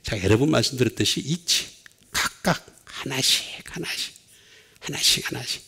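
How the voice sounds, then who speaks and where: A middle-aged male pastor preaching a sermon, with sudden swings between loud and soft. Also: mid-range voice, expressive, moderate pace, vocal fry, husky.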